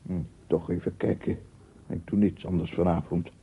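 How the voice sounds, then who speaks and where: An actor playing a brooding, solitary man musing to himself in a halting radio play monologue. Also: low-pitched, little pitch movement, gravelly, slight background noise. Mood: weary, musing. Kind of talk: Dutch radio play acting. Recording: muffled lo-fi old radio recording.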